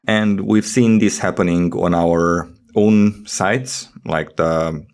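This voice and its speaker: Male podcast co-host, low-pitched, creaky delivery. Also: fairly even intonation, slow pace, darkish tone. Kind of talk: casual panel chat with some mock-dramatic reading.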